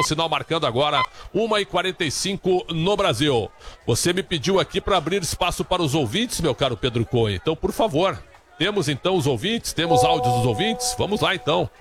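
A Brazilian man hosting live sports radio, calling out football players as they walk past outside. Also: a little high. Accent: Brazilian Portuguese. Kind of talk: live radio football pre-game commentary. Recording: loud crowd behind.

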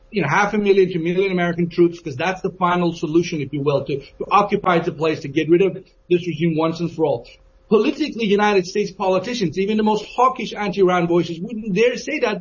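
A man speaking as a guest analyst on a call-in program, measured and earnest, often asking rhetorical questions. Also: high voice, muffled recording.

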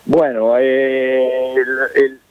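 A man's voice: mid-range voice, completely flat delivery, extremely slow, clean tone, no room sound. A man from Spain with an Italian-tinged accent, a circus manager rambling as a radio guest, with many fillers and repeated words. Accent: Italian-tinged Spanish. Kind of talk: phone interview on radio. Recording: dry tinny phone line.

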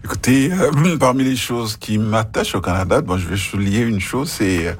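Man, deep-ish voice, gravelly, husky, radio panelist. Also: expressive, moderate pace.

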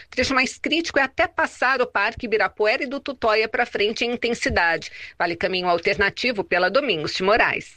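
A woman giving a brisk, matter-of-fact radio traffic report. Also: medium pitch, sharp tone, no room sound.

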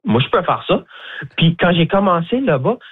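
A man's voice: high-pitched, very animated, moderate pace, husky. A young man from Newfoundland, a bilingual guide at a botanical garden, answering interview questions in a chatty, hesitant way with many fillers. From Newfoundland, Canada. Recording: tinny phone line.

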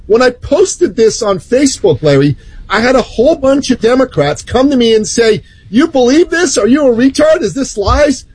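Woman guest ranting on politics, husky voice, fairly high, dry sound. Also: expressive, normal speed, darkish tone, no echo. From Iran. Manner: emphatic, indignant. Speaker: guest commentator. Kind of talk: political talk.

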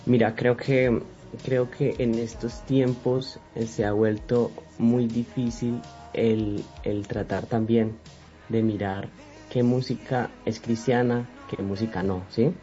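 A man's voice: medium pitch, little pitch movement, slow pace, dark tone, soft background music. A young man, a Christian musician answering interview questions in an earnest, reflective way. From Colombia. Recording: dull lo-fi recording.

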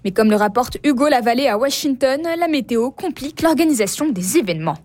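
A French Canadian newsreader with a high, clear voice delivers the bulletin in a steady, formal cadence. The studio sound is close and dry, with no room around it. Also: female voice, fast talker, dry recording. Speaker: radio newsreader. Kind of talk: scripted news bulletin. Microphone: studio microphone.

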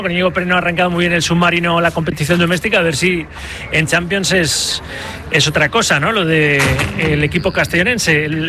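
A man hosting a radio sports program, briskly putting questions to his commentators. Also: a little high, slight background noise. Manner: brisk, bright, leading questions.

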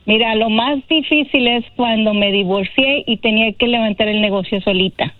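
A woman's voice: fairly high pitch, normal speed, no room sound, narrow, tinny audio. A woman, a bridal shop owner chatting as a guest on a call-in radio interview, laughing easily. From Mexico.

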